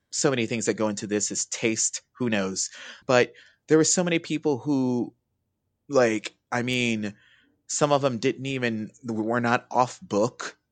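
A man with a plain, everyday voice and an American accent speaks at medium pitch and a fairly slow pace with lively intonation, in a dry, close sound with no echo and a quiet background. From US South, southern Louisiana. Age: 30s. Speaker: performing artist and dance teacher. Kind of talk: casual interview.

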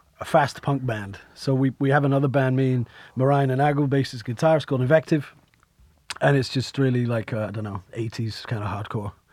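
With a normal speaking voice, a man talks at a medium pitch and a moderate pace, using ordinary pitch variation. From southwest England (Bristol). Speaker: metal band drummer. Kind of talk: casual interview.

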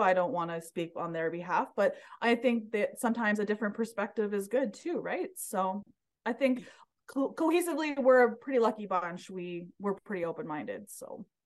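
Talking at a fairly quick pace, a woman with a Canadian accent uses a fairly high pitch and lively intonation. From northern Alberta, Canada. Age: 30s. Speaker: municipal councillor. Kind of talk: interview. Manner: upbeat, lively.

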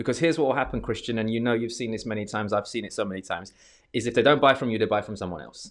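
Over a quiet background, a man with a British accent talks at a very fast pace. His pitch is medium, with ordinary pitch variation. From Britain. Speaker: public speaker and entrepreneur. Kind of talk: interview.

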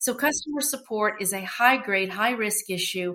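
Bright, sharp tone from a woman at a medium pitch. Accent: Canadian. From Canada, Toronto. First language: Portuguese. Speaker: company CEO, customer experience consultant. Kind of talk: interview. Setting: remote call.

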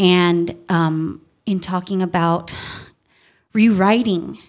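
With an American accent, a woman speaks at a medium pitch with ordinary pitch variation on a very clean recording with a silent background. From US, Filipino American family. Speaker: actress and singer. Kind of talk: live panel discussion. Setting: stage with audience.

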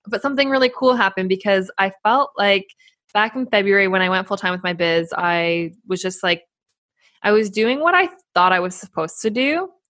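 A woman with a Canadian accent talks fairly quickly in a bright, sharp tone at medium pitch. Her pitch varies in an ordinary way, and the background is quiet. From Toronto, Canada. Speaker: nutritionist. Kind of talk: podcast interview.

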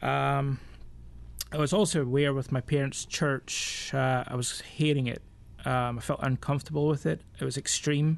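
The speaker has a Scottish accent. The pace is moderate and the intonation fairly even. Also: man. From Scotland, coastal fishing village. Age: 40s. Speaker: churchgoer telling life story. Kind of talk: testimony.

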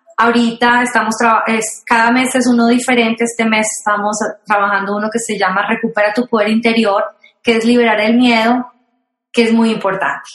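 Her voice fairly high, a woman speaks with monotone, flat intonation. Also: fairly quick pace. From Colombia, Bucaramanga. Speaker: life coach and hypnotherapist. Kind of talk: interview, personal story.

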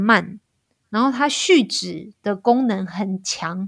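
The recording is very clean, with a silent background. A woman talks at a very slow pace with ordinary pitch variation. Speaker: ham industry promoter and author. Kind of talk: casual interview. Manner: halting with frequent repetitions.

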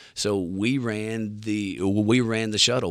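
A man speaks with a Southern US accent. The recording is very clean and the background silent. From US South, Mississippi. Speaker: business owner. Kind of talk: casual chat.

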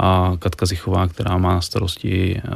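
There is noticeable background noise behind this man. His very deep, low voice stays monotone, with flat intonation. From western Bohemia, Czechia. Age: 30s. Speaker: entrepreneur and organic farmer. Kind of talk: radio interview.

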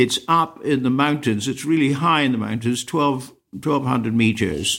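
Vocal fry in a Scottish accent, on a very clean recording with a silent background. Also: man. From northern Scotland. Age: 80s+. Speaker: retired vet and businessman, guest. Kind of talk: casual interview chat.

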